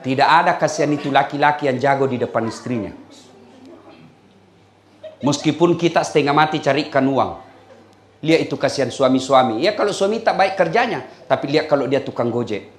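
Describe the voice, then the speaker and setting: A man's voice: mid-range voice, fairly quick. A man preaching a humorous sermon, telling stories with laughs and teasing the women in the audience. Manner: lively storytelling with laughs and teasing asides to the women. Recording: echoey room sound.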